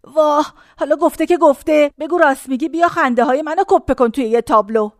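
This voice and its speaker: A frail, very old woman played by an actress rambles in a high, thin voice, drifting from complaints to faraway memories in a folksy, wandering way. The sound is close and dry, as in a radio play. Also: no room sound, natural voice. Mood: fretful. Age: older. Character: very old woman in a care home, rambling and pained.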